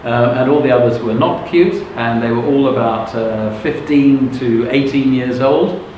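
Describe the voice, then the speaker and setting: Mellow and medium-pitched, this man's voice moves a little slowly as he, a middle-aged Englishman and native Russian speaker, tells a live audience about his life in his role as a motivational speaker. He talks openly and casually, often confirming that listeners are following. Background noise and a very echoey room come through.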